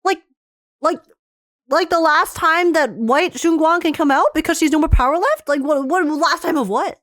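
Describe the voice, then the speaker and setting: A woman's voice: high-pitched, normal speed, a bit bright, dry recording, clean studio sound. A woman streaming a game with live, slangy, emotionally invested reaction commentary.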